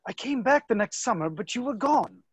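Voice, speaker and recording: A man's voice: very high voice, lively intonation, fairly quick, breathy edge, dry recording, dull audio, heavily acted. A man in his thirties playing an earnest, jealous, skeptical young viscount in a dramatic play reading. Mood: tender. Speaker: actor in a virtual staged reading. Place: indoor room, video call. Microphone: video call microphone.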